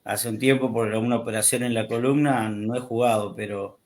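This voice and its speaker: A man in his fifties from Argentina, a guest talking about himself in a relaxed, friendly way over a video call. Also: mid-range voice, a little fast. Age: 50s. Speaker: interview guest. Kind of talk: casual conversation.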